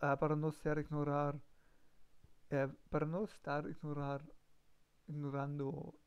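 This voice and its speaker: A man's voice: fairly high pitch, completely flat delivery, a little slow, noisy background. A man practicing on a live stream, hesitant, full of fillers and self-corrections. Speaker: language learner streamer. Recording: dull lo-fi stream mic.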